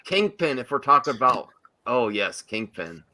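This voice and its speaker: A man's voice: mid-range voice, very animated, moderate pace, very noisy. A man hosting and moderating a casual group conversation. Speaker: host moderating a discussion. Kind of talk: casual chat.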